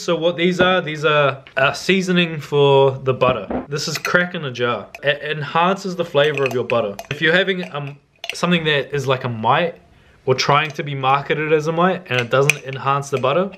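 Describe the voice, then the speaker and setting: A man's voice: a little high, a bit bright, slight background noise. A young man giving a casual, slangy cooking demonstration in a laid-back way. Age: young adult. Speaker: cooking vlogger. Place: home kitchen, indoors.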